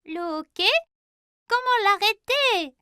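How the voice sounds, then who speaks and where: An actor voicing an excitable, dramatic four-year-old boy in a French children's cartoon dub. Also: slow pace, no echo, clean studio sound, exaggerated voice. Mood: curious, hesitant. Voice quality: high, childlike. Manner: dramatic, exclaiming.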